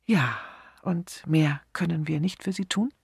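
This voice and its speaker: A polished, wary hotel manager, as a male audiobook reader plays him, speaking in smooth courtesies that turn sharp. The voice is gravelly and husky, recorded dry and close. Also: fairly high pitch, a little slow, no room sound, voice pushed up, exaggerated voice. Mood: polite.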